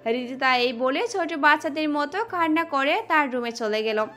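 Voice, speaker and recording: A woman's voice: sits high, normal speed, sharp tone. A woman reading a scripted dramatic story as the narrator of an audio drama. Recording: music under the voice.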